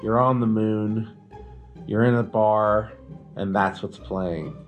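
A man's voice: lowish voice, steady tone, slow, muffled recording, soft background music. A man co-hosting a podcast, chatting casually in a rambling, explanatory way and swearing now and then. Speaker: podcast co-host. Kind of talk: casual chat.

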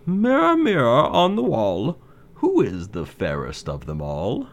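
A man's voice: medium pitch, wildly swooping pitch, measured pace, pitched above the performer's own voice. A man voicing a vain, scheming wicked queen in a read-aloud fairy tale, with a theatrical, sneering delivery. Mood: commanding.

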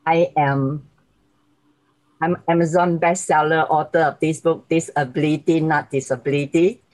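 A woman's voice: low-pitched, fairly even intonation, normal speed, low-quality recording. Laughing Malaysian woman in her sixties. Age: 60s. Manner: warm, grateful, laughs often. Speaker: guest speaker. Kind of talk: speaking on a video call. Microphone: video call.

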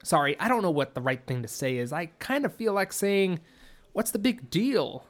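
A man's voice: high voice, lively intonation, very slow, sharp tone, full character voice. A man voicing a rambling, awkward teenage boy. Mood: awkward, supportive. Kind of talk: audiobook character dialogue.

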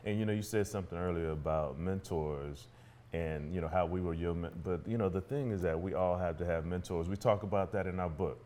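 A man's voice: deep voice, a little fast, darkish tone. A middle-aged man with an African American accent, talking casually and earnestly as a guest on an interview show, offering encouraging advice. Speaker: podcast guest, entrepreneur and author.

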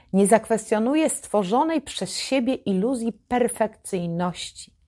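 A woman hosting a psychology channel, giving an advice monologue to her viewers in a slow, emphatic, deliberate way. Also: medium pitch, darkish tone.

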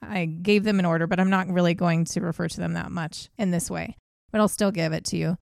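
A woman's voice: lowish voice, steady tone, brisk, gravelly, a little mellow, no echo, studio quality. A woman co-hosting a podcast, telling a true crime case in a blunt, casual way with swearing. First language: English. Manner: blunt, swears, laughs at grim moments.

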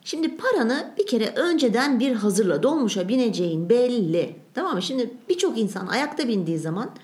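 A young woman chatting casually as a podcast co-host, animated and ranting about everyday annoyances. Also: a little high, fairly quick. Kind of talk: casual chat.

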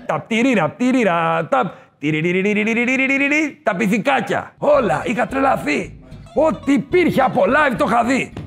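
A swaggering self-crowned king of the nightlife, bragging loudly in a very high, gravelly voice. He shouts his punchlines with brash confidence. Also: animated, soft background music, full character voice. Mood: boastful. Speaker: comic guest character. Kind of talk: comedy sketch interview.

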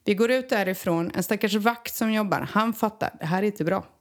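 A woman from Sweden recounting a personal story in casual conversation, animated and acting out the people she quotes. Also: mid-range voice. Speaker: guest telling a personal story.

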